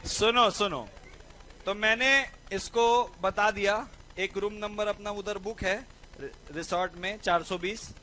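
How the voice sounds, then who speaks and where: Bright, high-voiced male law tutor. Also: slow, a little hiss or hum, poor audio. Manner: lively, keeps asking "right or not?". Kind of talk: lecture with a personal story.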